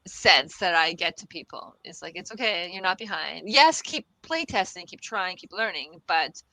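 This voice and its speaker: Bright, reassuring woman on a podcast. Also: fairly low pitch, animated, moderate pace, dry recording, poor audio. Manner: reassuring, laughs often, repeats herself. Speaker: guest expert on the future of work. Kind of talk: casual podcast interview.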